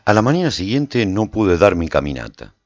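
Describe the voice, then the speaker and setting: A man playing a proud lone warrior who recounts his adventures in a theatrical, expressive first-person radio drama style. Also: low voice, moderate pace, muffled recording, over music. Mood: reflective. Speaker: narrator and lead actor of a radio serial.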